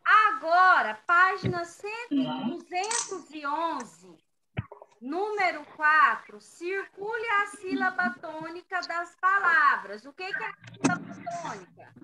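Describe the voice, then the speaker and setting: A woman's voice: extremely high pitch, animated, takes it slowly, sharp tone, poor audio. A woman with a Brazilian Portuguese accent teaching young children in an online class, stretching out syllables and patiently prompting pupils over a video call. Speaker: primary school teacher. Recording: video call with background noise.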